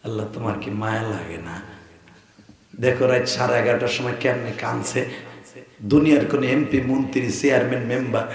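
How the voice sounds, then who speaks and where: A man preaching an impassioned, tearful sermon at a large outdoor tent gathering, shouting and chanting his appeals with a sore throat. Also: medium pitch, brisk, creaky. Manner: fervent, shouting and chanting exhortations. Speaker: Islamic preacher. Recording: echoey reverberant tent with loudspeakers.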